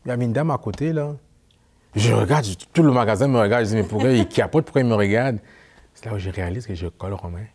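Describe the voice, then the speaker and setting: Lively Québécois priest telling stories. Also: male voice, lowish voice, fast, husky. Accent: Quebec French. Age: young adult. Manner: animated, acts out dialogue in anecdotes. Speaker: priest guest. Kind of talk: casual interview storytelling.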